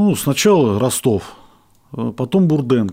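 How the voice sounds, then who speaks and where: A man's voice with a dark, mellow tone. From central Russia, Kaluga. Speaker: war veteran. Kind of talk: interview.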